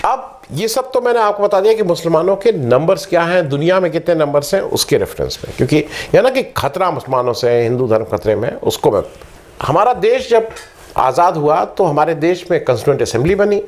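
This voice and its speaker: A man's voice: fairly high pitch, lively intonation, a little fast, darkish tone. A middle-aged man giving a lecturing talk, reeling off statistics with fillers and restarts. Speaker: political commentator. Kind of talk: explanatory talk to camera.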